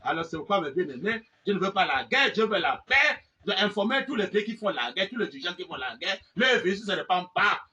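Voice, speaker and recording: A man preaching a fiery sermon, swinging from low muttering to shouted high exclamations and repeating phrases. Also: big pitch swings, fast, few pauses, distant mic, highs cut off. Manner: repeats phrases with frequent "hein?" and "eh ben".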